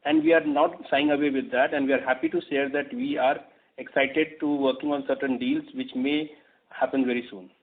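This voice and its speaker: A man with an Indian accent, a company executive answering questions on a conference call, in a halting way peppered with filler phrases. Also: medium pitch, level tone. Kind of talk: answering analysts on an earnings call. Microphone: telephone conference call. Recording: tinny narrowband phone line.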